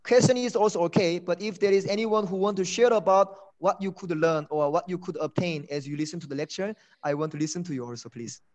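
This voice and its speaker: High-pitched man giving a motivational talk. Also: fast talker. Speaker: guest lecturer. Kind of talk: motivational online lecture. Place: indoors on a video call. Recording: dull, lo-fi video call.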